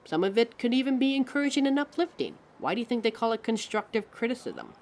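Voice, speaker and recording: A woman's voice: fairly high pitch, big pitch swings, fast, darkish tone. A woman voicing a living fashion mannequin in a scripted audio roleplay, haughty yet encouraging, with a dramatic, articulate delivery aimed straight at the listener. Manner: theatrical, dramatic, articulate, addresses listener as darling.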